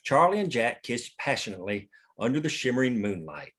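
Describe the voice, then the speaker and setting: A man's voice: mid-range voice, very animated, brisk, a bit bright, breathy edge. A man narrating stage directions at a scripted table read.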